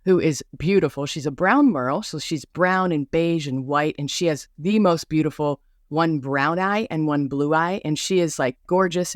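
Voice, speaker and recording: Recorded in a clean studio without echo, this woman hosts a podcast, her deep voice carrying a bubbly, chatty monologue that wanders through plenty of asides. Some of her R sounds reveal a mild speech impediment.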